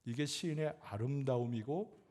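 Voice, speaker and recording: A male pastor delivers an evening sermon in a church sanctuary, his voice carrying a long hall reverb. He slows down to read scripture and lifts his voice for the pleas he quotes. His pitch sits in an ordinary middle range. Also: darkish tone. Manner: reads scripture slowly, rising for quoted pleas.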